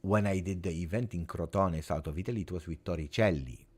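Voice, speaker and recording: A man's voice: deep voice, fast, a little mellow. A man in his forties speaking English as a non-native language, hosting a casual live chat with viewers, rambling and repeating himself in an earnest way. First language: not English. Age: 40s. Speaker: fan channel host.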